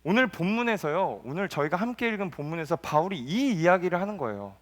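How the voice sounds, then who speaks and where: A man, a junior pastor, preaching a sermon at a youth service in church in a lively storytelling manner, asking the congregation questions. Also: high-pitched, quick pace, long reverb tail.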